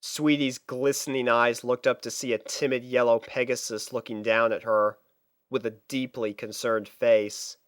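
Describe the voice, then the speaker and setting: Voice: mid-range voice, flat delivery, moderate pace, dry recording, studio quality. A storyteller reading scripted fiction narration. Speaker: storyteller, fan fiction reader.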